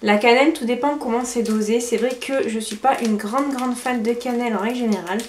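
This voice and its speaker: A woman vlogger chatting through a casual product review, hesitant with fillers and quick self-corrections. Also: fairly high pitch. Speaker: lifestyle vlogger. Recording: roomy echo, faint background noise.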